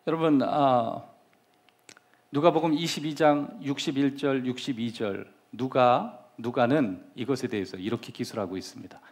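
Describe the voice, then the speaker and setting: Middle-aged male pastor, church sermon, animated delivery with sudden whispers, mid-range voice. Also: mid-range voice, moderate pace. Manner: animated preaching, acts out scenes, shifts to soft whispers. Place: church sanctuary.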